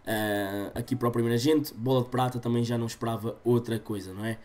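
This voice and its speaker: A man in his twenties with a European Portuguese accent and a slightly stuffy nose, doing excitable gaming commentary for his viewers. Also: mid-range voice, fast talker. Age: 20s. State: slightly congested from a cold. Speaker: gaming YouTuber. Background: game music.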